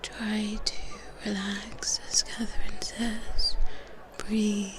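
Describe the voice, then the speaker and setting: A woman's voice: medium pitch, little pitch movement, extremely slow, crowd noise. A woman voicing a proud, teasing elder female vampire in a whispered ASMR roleplay, soothing yet commanding. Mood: calm, instructive.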